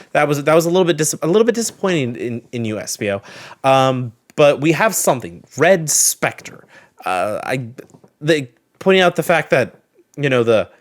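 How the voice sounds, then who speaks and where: A man giving a casual reaction and review as a video host, thinking aloud and often trailing off to reword his sentences. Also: medium pitch.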